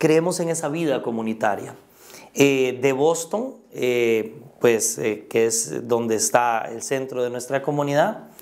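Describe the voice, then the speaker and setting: Very slow speech from a man, medium in pitch, with ordinary pitch variation. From Costa Rica. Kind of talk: interview answer.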